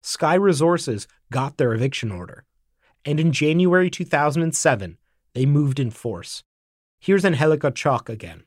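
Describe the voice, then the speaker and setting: A man's voice: a little high, no echo. Man narrating a dry investigative report. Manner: measured, even delivery. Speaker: documentary narrator.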